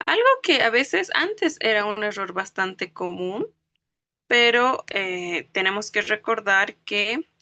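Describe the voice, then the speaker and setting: A woman's voice: medium pitch, gravelly, sharp tone, no room sound. A woman teaching a language class, explaining rules step by step and checking that students follow. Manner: explains step by step, checks understanding with frequent questions; spells out words syllable by syllable. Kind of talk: online class lecture.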